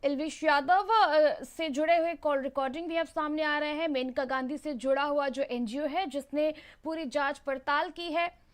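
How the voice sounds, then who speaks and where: A woman presents the news in a very high-pitched voice. She speaks as a studio anchor, setting out the story and questioning a reporter. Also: normal speed.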